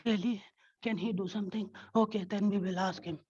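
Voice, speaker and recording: A woman voicing middle-aged dwarf men conferring deliberately and conspiratorially in a tall tale. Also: mid-range voice, fairly even intonation, darkish tone, husky, no room sound, dull audio, lightly acted. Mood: conspiring. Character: scheming middle-aged dwarf man conferring with doubtful fellow.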